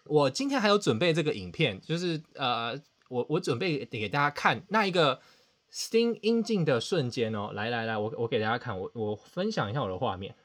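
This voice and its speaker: A man's voice: mid-range voice, lively intonation, brisk, fairly bright tone. A man, hosting a podcast and telling a self-mocking story with dramatic outbursts. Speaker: podcast host. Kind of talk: casual storytelling chat.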